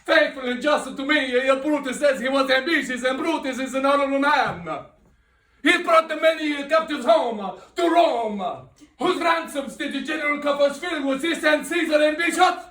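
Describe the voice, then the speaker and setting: A man playing an emotional comic foreign funeral orator, halting and melodramatic, in a Shakespeare monologue with broken phrasing. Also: extremely high pitch, fairly bright tone. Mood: emotional, indignant. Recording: roomy sound, far from microphone.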